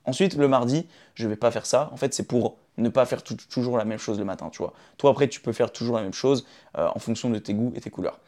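A man's voice: mid-range voice, quick pace, darkish tone. Chatty young man filming on his phone. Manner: chatty, often checks in with "d'accord?" and "ok?". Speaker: vlogger sharing his daily routine. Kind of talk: casual direct-to-camera advice. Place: his room indoors. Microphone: phone camera.

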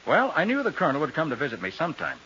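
An actor playing a cool, quick-witted private detective with a clipped, wisecracking manner in a 1940s radio crime drama. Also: male voice, fairly high pitch, wildly swooping pitch, bright, forceful tone, full character voice. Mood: brisk, confident. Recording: muffled, hissy old radio recording.

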